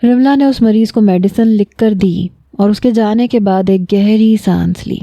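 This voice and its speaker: A woman narrating a romance novel in a steady, measured storytelling voice. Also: mid-range voice, dry recording.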